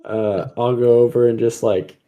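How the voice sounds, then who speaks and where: A man's voice: medium pitch, fairly even intonation, normal speed, narrow, tinny audio. A man playing a tabletop game, chatting casually with a wry, musing manner. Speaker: player.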